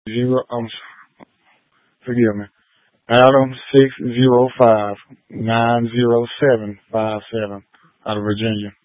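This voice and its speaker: A man's voice: medium pitch, flat delivery, unhurried, pauses often, no echo. A male police officer talking in terse, clipped codes over a police radio transmission. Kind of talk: radio traffic with dispatch. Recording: tinny dry two-way radio.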